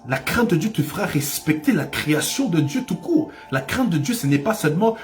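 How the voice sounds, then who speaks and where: A man's voice: a little high, sing-song, brisk, faint music behind. A man preaching a sermon as pastor, with impassioned delivery that rises to cries and repeats phrases for emphasis.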